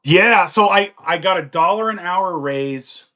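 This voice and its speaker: A man's voice: sits high, unhurried, pushed and bright. A man in his forties from the United States, telling his life story in a rambling, chatty way with frequent laughs. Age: 40s. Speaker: guest on a live chat. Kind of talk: casual chat.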